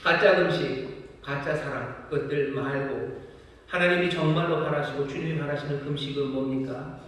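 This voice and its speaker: A man's voice: a little high, fairly even intonation, normal speed, fairly bright tone. A man pastor preaching a sermon with passion, often voicing God's rebukes as pointed questions. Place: large church sanctuary. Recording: echoey hall, distant mic.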